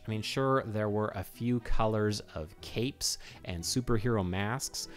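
A man in his thirties talking casually and conversationally to camera as a video host in a small home room. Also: lowish voice. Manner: informal, conversational. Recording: roomy home recording.

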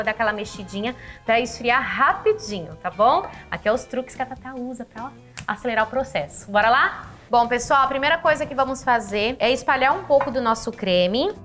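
Woman, 30s, from Brazil, kitchen show host, raised pitch, chatty and warm, faint music bed. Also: fairly quick. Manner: chatty, affectionate, calls viewers "my loves". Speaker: cooking channel host. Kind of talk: upbeat recipe tutorial. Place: home kitchen, indoors.

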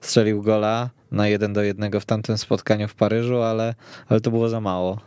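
A man's voice: lowish voice, level tone, fairly quick, darkish tone, smooth, no room sound. A man speaking as a panelist in a casual sports discussion, recorded in a radio studio. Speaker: football podcast panelist.

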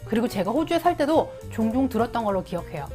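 Lively woman explaining English. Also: a little high, quick pace, faint music behind. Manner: friendly, explains English usage in Korean. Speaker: YouTube English teacher. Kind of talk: casual explanatory vlog.

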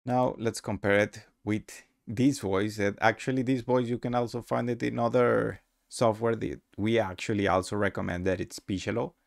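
Low, gravelly man presenting a demo. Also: little pitch movement, normal speed, hardly any pauses, no room sound, clean studio sound. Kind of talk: casual screen-recorded tutorial narration.

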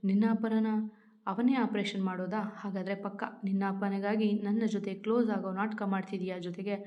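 A woman's voice: mid-range voice, little pitch movement, brisk, lo-fi sound, natural voice. A woman reading out a domineering rich young man who talks harshly and sneers, in a storybook reading. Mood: sneering.

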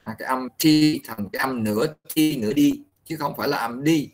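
A man's voice: mid-range voice, rough recording. Patient male teacher. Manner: patient, pausing often to explain slowly. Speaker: English pronunciation teacher. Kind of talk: classroom instruction mixing Vietnamese and English.

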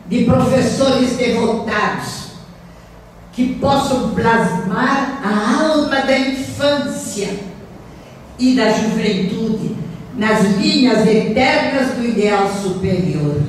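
An older woman delivers an earnest lecture in a small hall, her fairly high voice unhurried and deliberate. She speaks into a stand mic, but the sound is caught from far off. Heavy, lingering echo fills the room. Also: lively intonation, slight background noise. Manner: earnest, emphatic, slow and deliberate. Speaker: spiritist lecturer. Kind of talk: lecture reading from notes. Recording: roomy hall echo from a distant camera.

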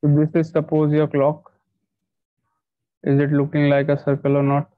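South asian guy teaching maths on a video call, kinda high voice, hindi-english mix, dull lo-fi sound. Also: monotone, moderate pace. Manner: mixes Hindi and English, checking in with pupils with short questions. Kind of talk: online class lesson, addressing pupils. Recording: dull lo-fi online call audio.

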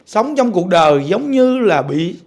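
Southern vietnamese guy w a really high voice giving a buddhist sermon, animated storytelling, keeps asking the crowd if they get it. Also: unhurried. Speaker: Buddhist preacher.

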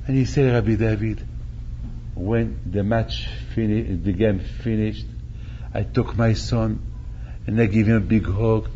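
Older man delivering a slow, dark-toned sermon. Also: fairly low pitch, muffled recording, a little hiss or hum. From Morocco. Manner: animated, gesturing, repeats phrases and acts out quotes. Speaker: rabbi. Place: synagogue hall, indoors. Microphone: stand mic at chest.

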